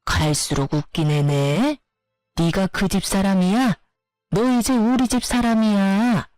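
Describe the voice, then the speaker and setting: A woman voicing a scornful, bullying older mother-in-law who scolds and insults her daughter-in-law in a lower, slower voice. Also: darkish tone, no echo, soft background music, natural voice.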